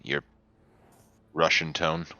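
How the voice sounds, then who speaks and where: A man with a very deep, gravelly voice chatting casually as a tabletop game player on dull audio. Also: little pitch movement, takes it slowly, bright, forceful tone, dry recording, faint music behind.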